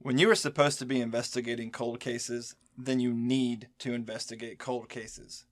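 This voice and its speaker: A man's voice: mid-range voice, level tone, moderate pace, close to an everyday voice. A man playing a weary, stern but protective senior agent in an audio drama, speaking in a cautioning way.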